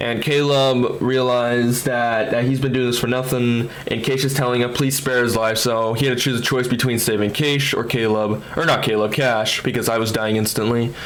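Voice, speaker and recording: Over noticeable background noise and audible room echo, a man talks at a moderate pace in a medium pitch. His loudness stays very even, and he hardly pauses. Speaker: YouTuber ranking his own video series. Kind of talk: casual tier list commentary. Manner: stuttering; animated.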